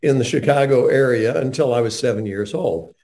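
Earnest older male radio host, mellow tone. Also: medium pitch, a little fast. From North Carolina, USA. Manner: earnest, animated storyteller.

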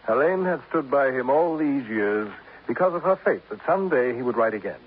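A man's voice: mid-range voice, expressive, a little fast, lightly acted. A man playing a pompous, florid poet on old radio. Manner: grandiloquent, formal, addresses others as sir. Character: pompous, florid male poet, self-admiring and fussy. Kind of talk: 1950s radio drama acting. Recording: tinny, hissy old radio broadcast.

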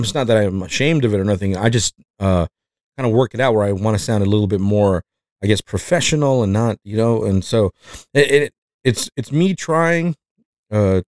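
Low-voiced man with a slight Mexican accent. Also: darkish tone, no echo, studio quality. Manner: rambling, self-reflective, many fillers and restarts. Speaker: podcast host. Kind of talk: casual podcast chat.

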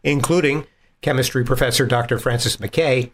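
A man hosting a podcast, asking questions and adding context in a measured way. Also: medium pitch, fairly even intonation. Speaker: podcast host. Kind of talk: conversational interview.

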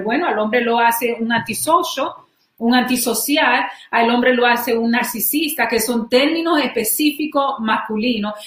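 A woman therapist who talks in a thoughtful, halting way, full of restarts and fillers. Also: a little high. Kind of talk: casual discussion. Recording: echoey room.

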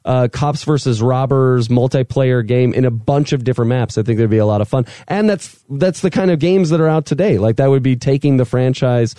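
A man's voice: medium pitch, a little fast, hardly any pauses, warm tone, no room sound, studio quality. A middle-aged man bantering casually and playfully as a podcast host. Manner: playful, joking.

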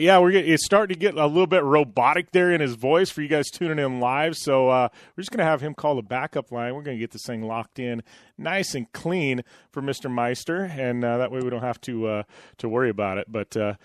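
A man's voice: mid-range voice, a little fast, no room sound, studio quality. A man hosting an interview, asking long rambling questions in a friendly, chatty way and calling the guest "man" and "dude". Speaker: show host. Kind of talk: casual interview chat.

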